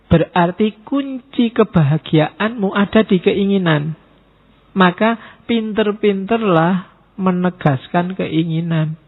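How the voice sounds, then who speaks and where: A man lectures students in a mosque hall, teasing and casual. His voice sits a little high. The sound is thin and tinny, like a phone line. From Indonesia. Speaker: lecturer on philosophy.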